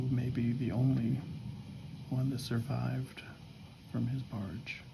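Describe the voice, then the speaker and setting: A soft-spoken man whispers at a very slow pace. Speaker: ASMR creator, fountain pen hobbyist. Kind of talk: ASMR whisper talk while writing. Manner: whispered, soft-spoken.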